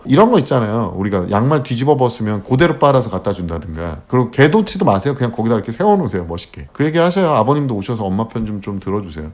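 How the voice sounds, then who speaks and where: A man's voice: mid-range voice, darkish tone. A man giving blunt, slangy advice to parents in a lecture-style talk, acting out what parents and kids say. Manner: acts out quoted parents and kids.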